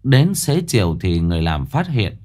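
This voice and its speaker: Man telling a ghost story, lively delivery. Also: low-pitched, normal speed.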